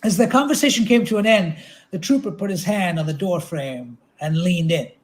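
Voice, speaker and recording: High-voiced man reading literary prose aloud. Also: moderate pace. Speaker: reader at a literary event. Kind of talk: literary narration read aloud.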